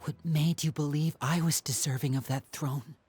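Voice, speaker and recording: A man's voice: fairly high pitch, steady tone, moderate pace, a little mellow, soft background music, lightly acted. A man voicing an earnest, respectful young man in a video game who speaks sincerely and doubts himself. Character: earnest young man, loyal adopted son.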